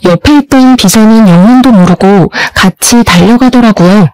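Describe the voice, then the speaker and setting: A woman's voice: medium pitch, moderate pace, a little mellow, no echo, low-quality recording. Woman telling her own sad story, middle voice, close dry mic. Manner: plaintive, storytelling. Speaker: narrator. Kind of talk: first-person story narration.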